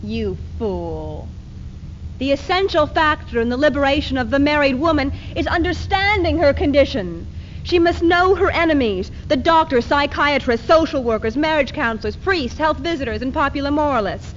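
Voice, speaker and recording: A high-pitched, defiant feminist woman, acted by a woman recites with declamatory emphasis in readers theater. The old archive recording is muffled, with faint hiss. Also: lively intonation, moderate pace. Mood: impassioned.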